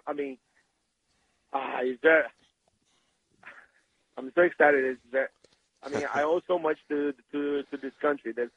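A man's voice: medium pitch, husky. Brazilian-accented man on a phone line. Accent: Brazilian Portuguese. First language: Portuguese. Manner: eager, halting, many restarts. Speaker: guest. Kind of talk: interview over phone.

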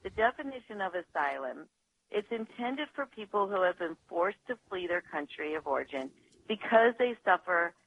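A woman lawyer, a guest on a radio show, talking over the phone in a measured, analytical way with some hesitations. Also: on the low side, expressive, vocal fry, a little hiss or hum. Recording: dull phone line, dry.

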